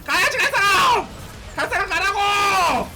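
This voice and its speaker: A man streaming a game, yelling catchphrases and cackling through excited live commentary. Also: very high-pitched, a little slow. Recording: loud noisy game stream.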